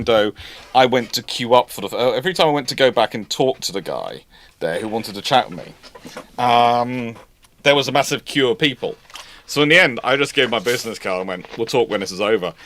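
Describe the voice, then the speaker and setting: In a casual livestream, a naval historian answers viewers' questions, wandering off track and often repeating or rewording his points. His voice is medium in pitch with a fairly bright tone.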